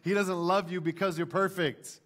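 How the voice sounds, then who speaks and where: A man's voice: high-pitched, steady tone, normal speed, a bit bright. Emphatic American male preacher. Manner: emphatic, repeats questions and key phrases. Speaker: pastor. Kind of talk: sermon. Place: church stage, indoors.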